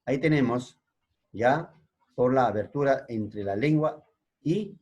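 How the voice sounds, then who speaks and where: A middle-aged male secondary school teacher with a Peruvian Spanish accent gives a slow classroom lesson. He keeps checking in with his pupils. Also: mid-range voice, expressive, darkish tone, breathy edge, highs cut off. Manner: slow, explanatory, frequent checking tags.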